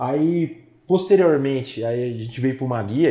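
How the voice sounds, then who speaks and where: A man's dark, mellow voice comes across somewhat breathy, with audible room echo. The background is otherwise quiet. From São Paulo city (Itaquera), Brazil; raised in Santa Bárbara d'Oeste; São Paulo, Brazil. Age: 40s. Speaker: public servant; guest. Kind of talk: interview. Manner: halting, with many repetitions. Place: studio.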